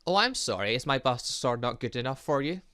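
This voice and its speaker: A man's voice: medium pitch, lively intonation, fast, bright, forceful tone, smooth, no room sound. A man playing a cocky, teasing, brash young male anime fighter in a theatrical fan roleplay.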